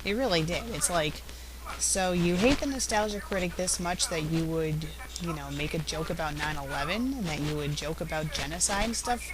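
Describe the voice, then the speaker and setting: A woman's voice: deep voice, moderate pace, low-quality recording. A woman hosting a casual, off-the-cuff commentary on her own web show, chatty and openly opinionated. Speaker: web show host and critic.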